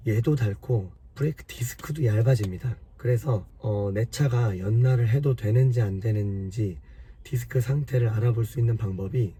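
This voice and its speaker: A man with a hoarse voice from a cold, patiently explaining car repair step by step to his viewers in a casual way. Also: fairly low pitch, normal speed, warm tone, a little hiss or hum. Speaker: car maintenance vlogger.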